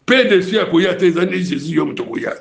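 Prédicateur congolais à la voix rocailleuse. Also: male voice, fairly high pitch, sing-song, a little fast. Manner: preaching in Lingala mixed with French, asking the crowd if it is clear. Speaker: preacher. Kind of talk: sermon.

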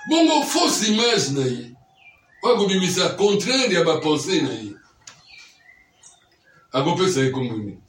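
High, lively preacher. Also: male voice, measured pace, pauses often, slight background noise. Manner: keeps quizzing listeners with questions. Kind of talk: teaching sermon. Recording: echoey room, mic far off.

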